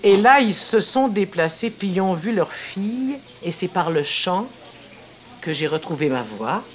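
A middle-aged woman with a Québécois French accent tells a personal story over lunch. Her voice sits a little low and swings widely in pitch as she laughs her way through it. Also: unhurried. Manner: animated storyteller, laughs often. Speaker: guest actress. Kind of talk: casual chat over lunch.

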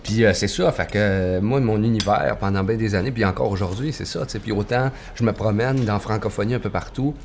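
Quebecois storyteller guy, lowish voice, laid back and folksy, faint hiss behind. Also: brisk, vocal fry, hardly any pauses. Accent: Québécois French. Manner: easygoing and folksy, with loose fillers and tags. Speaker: storyteller guest. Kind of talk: casual conversation.

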